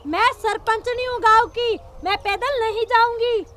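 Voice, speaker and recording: A woman's voice: extremely high pitch, steady tone, moderate pace, a bit bright. A woman playing a haughty older mother-in-law, the village headwoman, who scolds and boasts. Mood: domineering.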